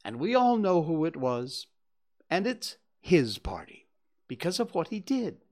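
A man's voice: on the high side, very animated, unhurried, a little mellow, pitched above the performer's own voice. A man voicing an earnest young boy announcing a party in a storybook reading.

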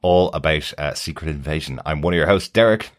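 A man's voice: extremely low pitch, fairly quick. A man hosting a podcast, making announcements and introducing the discussion in a casual, conversational way. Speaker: podcast host.

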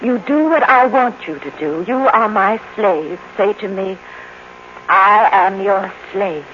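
An actress playing a possessive, unstable housewife with an intense, deliberate, commanding delivery in a 1950s radio drama. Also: female voice, mid-range voice, expressive. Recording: dull noisy old radio recording.

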